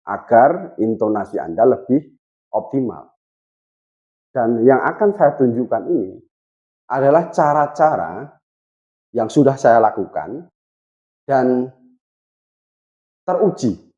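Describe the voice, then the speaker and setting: A man's voice: medium pitch, mellow, lo-fi sound. A man in his thirties teaching public speaking, talking straight to his viewers and shifting his intonation on purpose to show how it is done. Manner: varies intonation on purpose to demonstrate. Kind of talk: instructional talk to camera.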